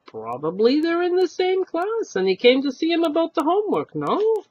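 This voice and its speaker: A woman voicing an opinionated, excitable old Jewish immigrant husband, emphatic in a storybook reading. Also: very high voice, moderate pace, muffled recording, background noise, voice pushed up, full character voice. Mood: admiring. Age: older. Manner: emphatic, indignant, inverted immigrant phrasing.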